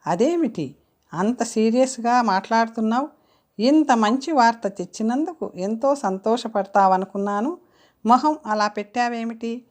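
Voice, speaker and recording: A woman voicing a caring, cheerful young man as she reads an audiobook story, with a lively, coaxing delivery. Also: fairly high pitch, measured pace, voice pushed up, natural voice. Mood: teasing. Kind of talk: audiobook character reading.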